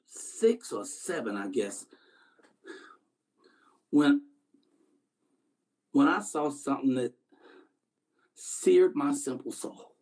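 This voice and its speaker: A man acts out a haunted Southern man in a dramatic stage monologue. He recalls a boyhood horror haltingly, stammering over words, and his pitch swings widely between low and high. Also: rough recording.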